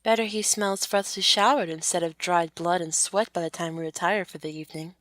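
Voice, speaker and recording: A woman playing a composed, guarded young noblewoman who speaks formally and with measured phrasing in a fan audio drama. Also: lowish voice, steady tone, a bit bright, natural voice. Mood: dry, poised.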